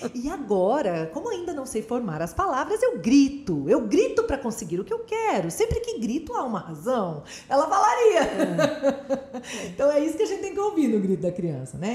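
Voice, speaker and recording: A woman speaks at a high pitch with very wide pitch swings. Her pace is moderate, and room echo is audible. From Paraná, southern Brazil (Maringá); Paraná, Brazil. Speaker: educator, educational psychologist; guest. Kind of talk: casual chat. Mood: warm, animated, smiling. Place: studio.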